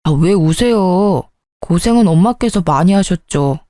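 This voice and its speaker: A woman's voice: fairly low pitch, animated, a little slow, no room sound, clean studio sound. A woman voicing a frustrated grown son in a dramatized story reading. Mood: earnest. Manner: pleading then shouting at family. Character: grown son, young man, tense and frustrated.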